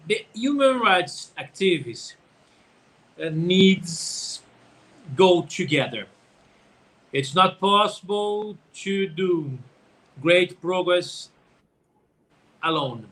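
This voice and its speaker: Slow, bright-voiced Brazilian man. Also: sits high, expressive, poor audio. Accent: Brazilian Portuguese. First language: Portuguese. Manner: slow, halting, searching for words. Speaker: human rights organization founder. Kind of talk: interview answers.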